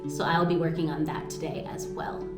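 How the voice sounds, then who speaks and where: A woman's voice: sits low, little pitch movement, fairly quick. A young adult American woman narrating a personal vlog. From United States, Atlanta, Georgia. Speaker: vlogger. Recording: roomy echo with music underneath.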